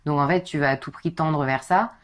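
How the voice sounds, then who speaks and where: A young woman with a low, husky voice, chatting casually as a podcast guest and filling her talk with informal asides. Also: fairly quick. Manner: chatty, informal, many fillers.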